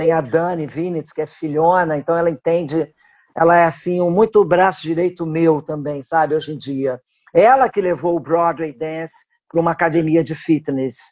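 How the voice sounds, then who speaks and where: This man talks at a moderate pace in a high pitch. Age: 60s. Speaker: dance teacher. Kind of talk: interview. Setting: live stream interview.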